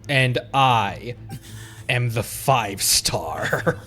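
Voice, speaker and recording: A young man casually commenting while he plays a video game, rambling and giggling. He speaks slowly with a mid-range voice and lively pitch. Some game music sits faintly behind him. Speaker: streamer.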